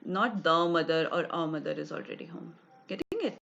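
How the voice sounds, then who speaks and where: A woman's voice: low-pitched, brisk, vocal fry, a bit bright, dull audio. A woman with an Indian English accent teaching an online grammar class, explaining rules step by step and often checking "right?" and "got it?".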